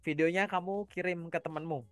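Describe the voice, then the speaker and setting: Guy from java coaching casually, kinda high voice, dry close sound, asks if you get it. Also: fairly even intonation, a little fast, a bit bright, no echo, soft background music. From Java, Indonesia. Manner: explanatory, asks listeners rhetorical check-in questions. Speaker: career coach.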